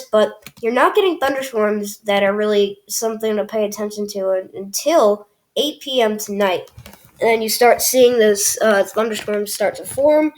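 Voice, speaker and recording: A young woman with a cold, casually walking viewers through a weather forecast, chatty and full of fillers and restarts. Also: mid-range voice. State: has a cold, clears throat. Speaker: weather channel host.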